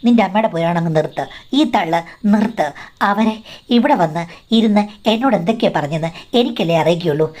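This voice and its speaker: A woman's voice: on the low side, a little fast, a little mellow, lightly acted. A woman voicing a defiant, scolding middle-aged mother-in-law in a spoken story. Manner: scolding, cutting.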